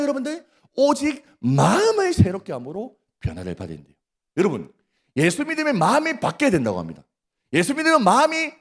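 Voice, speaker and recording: Animated high-voiced pastor with Gyeongsang accent. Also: male voice. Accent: Gyeongsang Korean. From Gyeongsang region, Korea. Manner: questions the congregation, prompts replies, jokes. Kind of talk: sermon at a prayer meeting. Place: church.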